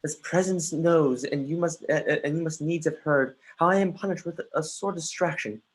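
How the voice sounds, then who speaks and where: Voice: medium pitch, moderate pace, natural voice. An actor playing a brooding, earnest young prince with a defiant streak in a livestreamed reading of Shakespearean verse. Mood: contrite, earnest. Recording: livestreamed remote call.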